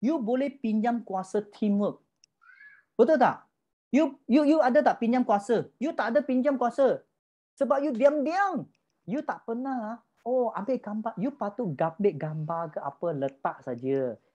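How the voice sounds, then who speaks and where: A woman's voice: a little high, lively intonation, moderate pace, dark tone, highs cut off. A woman giving an emphatic motivational talk as a business mentor, firing rhetorical questions at her listeners and switching freely between languages.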